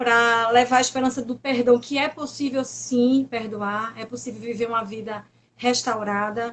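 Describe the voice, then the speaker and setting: The speaker talks with a Pernambuco accent. The intonation is monotone and flat. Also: woman, fairly high pitch for a woman. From Pernambuco, Brazil. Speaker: speaker at a couples' ministry talk. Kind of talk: testimony. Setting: livestream.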